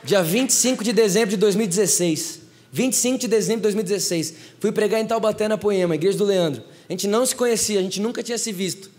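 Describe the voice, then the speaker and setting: A young man with a Brazilian Portuguese accent preaching a sermon, telling stories in an animated way and talking straight to the congregation. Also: sits high, quick pace, a little hiss or hum. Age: young adult.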